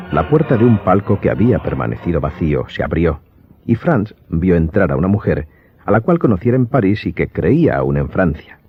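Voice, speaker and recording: A man with a deep voice narrates a radio drama in a measured, literary way. His intonation is lively, and the slightly muffled recording carries music behind him. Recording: dull lo-fi sound, loud music behind.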